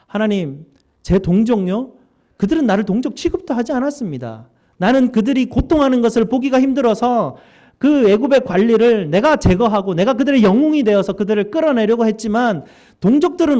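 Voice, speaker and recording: A man's voice: high-pitched, warm tone, pitched above the performer's own voice. A male pastor voicing an aged Moses who pleads and complains to God in a sermon.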